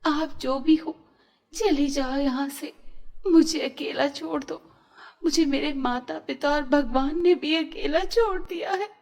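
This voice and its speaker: A woman voicing a gentle, kind-hearted young orphan girl in a storybook cartoon. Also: sits high, takes it slowly, pitched above the performer's own voice. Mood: tearful. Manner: timid, tearful pleading.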